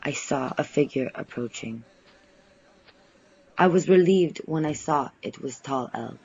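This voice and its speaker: A man voicing a curious, gentle young woman who narrates an audio drama in measured, formal phrases. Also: a little high, gravelly, slightly rough, lo-fi sound, full character voice. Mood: reflective. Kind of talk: first-person audio drama storytelling.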